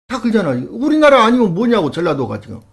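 A man's voice: sits high, wildly swooping pitch, gravelly. A man reading old records aloud and breaking off to argue with them, incredulous and emphatic. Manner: incredulous, argumentative, quick rises to loud emphasis. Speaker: history channel host.

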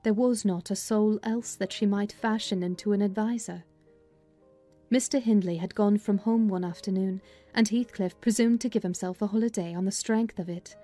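A woman playing a plain-spoken housekeeper, recounting family history in a measured dramatized literary reading. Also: medium pitch, steady tone, warm tone, natural voice. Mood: measured, candid. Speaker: audiobook narrator. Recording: music bed behind voice.

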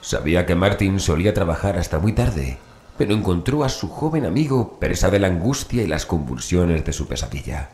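A man narrating a horror audiobook in a measured, dramatic way with deliberate pauses. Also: deep voice, sing-song, darkish tone. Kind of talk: scripted horror story narration. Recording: roomy echo, faint background noise.

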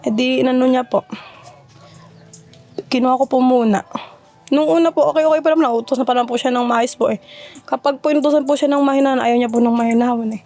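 Young filipina mom, high voice, talks fast, super polite, rambly explanations. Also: female voice, steady tone, mellow, faint music behind. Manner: polite, many respectful particles, rambling explanations. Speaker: mother being interviewed. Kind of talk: casual conversation.

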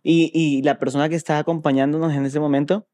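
A man's voice: on the high side, fast talker. A young man, chatting and teasing casually. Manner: joking, teasing, relaxed banter. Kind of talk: casual chat.

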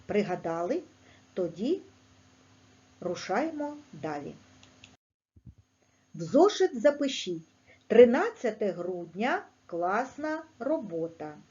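Ukrainian woman teacher for kids' lesson; mellow voice, lively pitch, lo-fi sound. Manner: slow, clear, sing-song teacher talk with lively pitch. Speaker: primary school teacher. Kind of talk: online language lesson for children.

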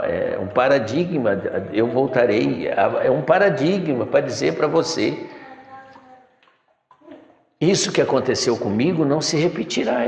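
A middle-aged spiritual teacher speaks in a medium-pitched, slightly mellow voice with vocal fry, seated in a decorated room and preaching to listeners he calls "my son." A distant camera captures him in an echoey room with long reverb.

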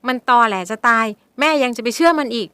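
A woman's voice: expressive, fast talker, fairly bright tone, clean tone, no room sound. A woman voicing a frightened young woman who pleads with her mother in a shaky voice. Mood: hurt. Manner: high-pitched, pleading, shaky.

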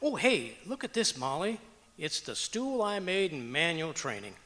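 A man's voice: on the high side, sing-song, moderate pace, pushed and bright. A man playing a boastful, bumbling, cheerful husband with folksy wisecracks in 1940s radio comedy style. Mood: sheepish, cheerful. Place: auditorium stage, live performance. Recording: reverberant auditorium stage.

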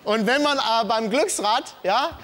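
A man's voice: very high-pitched, lively intonation, unhurried, a bit bright. A man hosting a late-night comedy show, explaining the rules with mock earnestness to a live studio audience. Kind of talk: comic studio presentation.

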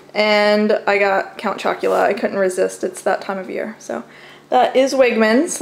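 A young adult American woman narrating a casual, chatty home vlog from her kitchen, recorded on a camera mic. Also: a little high. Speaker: home vlogger showing groceries. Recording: clearly noisy home camera audio.

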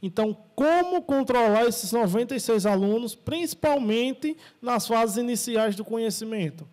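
A man's voice: very high voice, lively intonation, moderate pace, a little mellow. A man asking the speaker a short question from the floor.

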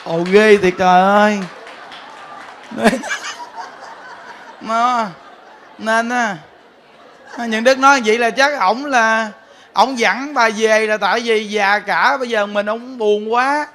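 A man's voice: extremely high pitch, slow pace, pauses often, some chatter behind, slight background noise. A man, a Buddhist monk giving a sermon, telling stories with frequent laughter and speaking straight to his listeners. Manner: animated storytelling, laughs often, addresses the audience directly.

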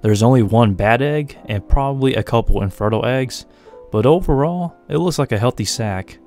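A young American man with a deep voice and a slight Asian-tinged accent, giving relaxed, rambling, self-deprecating voice-over commentary for his hobby video. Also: normal speed. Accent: American, with an Asian lilt he notes himself. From United States. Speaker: tarantula breeder and channel host. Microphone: voice-over recorded separately from the pictured footage. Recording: voice-over with faint background music. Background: soft music underneath.

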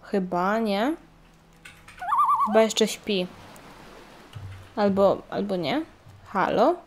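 A woman's voice: mid-range voice, lively intonation, very slow, over loud music. A woman giving casual gameplay commentary as a let's player.

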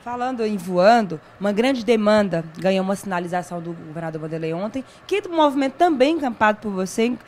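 A woman's voice: mid-range voice, animated, a little fast, hardly any pauses, a little mellow, slight background noise. A young adult woman with a Brazilian accent, presenting and interviewing as a TV reporter. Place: small indoor TV interview set. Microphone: handheld interview microphone.

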